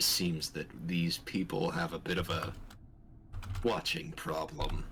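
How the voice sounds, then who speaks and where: A man puts on a raspy character voice with a very deep, low pitch. He talks at a fairly slow pace over clear background noise. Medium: actual play. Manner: dry, sardonic.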